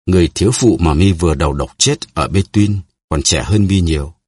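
A man voicing a young male musketeer who speaks earnestly and gravely. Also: deep voice, brisk, darkish tone, dry recording.

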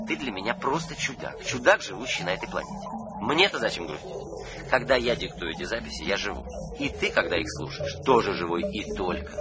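Man acting mocking young man, cruel and breezy, theatrical, very animated mid-pitched voice, radio play over music. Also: brisk, lightly acted, low-quality recording. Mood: cold, cruel. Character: cocky, cruel twenty-year-old man, recorded voice of younger self. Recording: background music under the voice.

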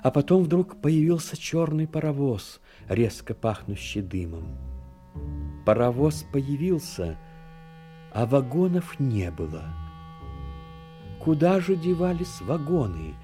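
A man narrating a scripted dramatic story in a measured, expressive way. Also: mid-range voice, soft background music.

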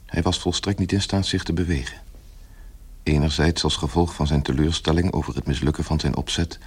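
A man's voice: very deep voice, steady tone, fairly quick, husky. A man reading scripted literary narration as the narrator of a radio play. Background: loud music.

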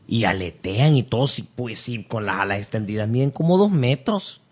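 A man's voice: lowish voice, expressive, moderate pace, a little mellow, breathy edge. A man, co-hosting a casual radio chat and explaining things at length.

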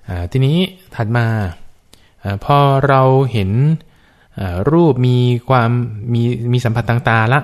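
A man who is a Buddhist monk, patiently explaining teachings on a radio Dhamma discussion, with many soft fillers. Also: mid-range voice, unhurried. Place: radio studio.

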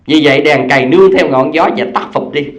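A man's voice: a little high, fast talker. A male Buddhist teacher giving a dharma talk, telling parables and asking his listeners questions. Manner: storytelling, asks the audience questions.

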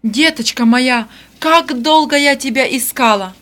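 A woman reading an audiobook voices a middle-aged aunt in black who speaks softly through tears. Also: fairly high pitch, normal speed, close to an everyday voice. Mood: tearful. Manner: soft, tearful, gentle. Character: grieving woman in black, stern then tender aunt.

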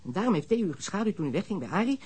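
A brazen, blunt smuggler, played by a man in a radio play, talking fast in a husky, slightly raised voice. He answers the police plainly and without shame, boasting of his own strength. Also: high-pitched, big pitch swings, a little mellow, heavily acted. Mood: tense. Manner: frank, matter-of-fact, shameless. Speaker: suspect. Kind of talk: radio drama acting.

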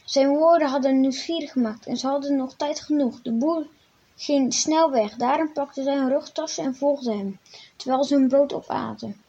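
A woman reads a children's Bible story aloud in a plain storytelling voice, then speaks directly to the young listeners. Her voice sits high. The recording sounds dull and lo-fi. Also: normal speed, mellow.

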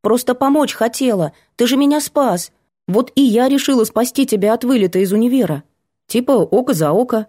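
A woman's voice: a little high, expressive, mellow, no room sound, clean studio sound, pitched above the performer's own voice. A woman putting on a chirpy stubborn girl student. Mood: earnest. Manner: chirpy, teasing, quick to protest. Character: bookish stubborn cheeky young female student. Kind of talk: audiobook character voice.

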